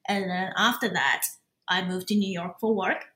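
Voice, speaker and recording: A woman's voice: fairly low pitch, steady tone, normal speed, a bit bright, echoey room. A woman who grew up in Australia, a podcast guest chatting casually and laughing easily. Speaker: guest, cooking YouTuber.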